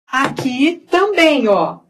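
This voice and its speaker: A Brazilian woman with a Brazilian Portuguese accent, a university teacher giving a lecture on Spanish pronunciation. She repeats each word slowly as she demonstrates it and keeps checking in with "né?". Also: sits high, big pitch swings, a little hiss or hum, low-quality recording. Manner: slow, repetitive, demonstrating sounds and checking in with "né?".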